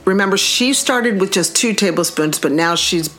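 A woman's voice: mid-range voice, animated, moderate pace, a bit bright. A woman who is a medical doctor hosting a health podcast, talking to listeners in an enthusiastic, emphatic way and repeating words for stress. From Cuban heritage.

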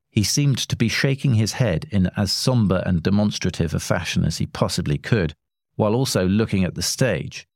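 A man narrating a short story in a measured, wry way. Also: low voice, vocal fry, darkish tone, dry recording, clean studio sound.

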